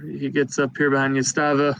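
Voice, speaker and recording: A man narrating a tabletop game as game master, calling turns and dice rolls in a steady, matter-of-fact way. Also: mid-range voice, fairly quick, gravelly, muffled recording.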